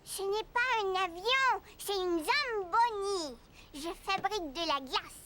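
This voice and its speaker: Four-year-old cartoon boy, tiny high voice, unhurried, childlike, curious, slightly timid. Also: a little hiss or hum, exaggerated voice. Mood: earnest, helpful. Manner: childlike, earnest, excitable.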